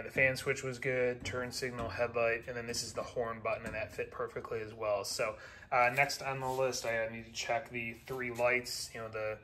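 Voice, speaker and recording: A man's voice: medium pitch, a bit bright, a little hiss or hum. A middle-aged man talking through his car build in a garage, plainly and methodically, with lots of "uh" and "um". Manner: plain, methodical, many "uh" and "um" fillers. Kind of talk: casual build-update narration. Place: garage workshop.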